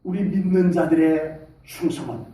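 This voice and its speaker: A middle-aged man preaching a sermon as pastor in a church, talking with lively gestures of voice and shouting out salutes as he acts out soldiers. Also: fairly high pitch, moderate pace. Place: church sanctuary. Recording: echoey hall, mic from a distance.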